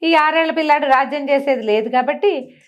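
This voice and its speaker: A woman with a fairly high voice tells a folk tale as if chatting with someone beside her. She is colloquial and explanatory, slipping in asides and voicing what the characters say. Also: a little fast. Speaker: storyteller. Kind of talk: conversational folk-tale storytelling to a listener.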